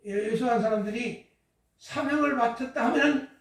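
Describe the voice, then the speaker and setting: A man's voice: very high voice, moderate pace, very echoey, recorded from a distance, poor audio. A man preaching a sermon as pastor, acting out quoted dialogue with conversational asides. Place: church sanctuary.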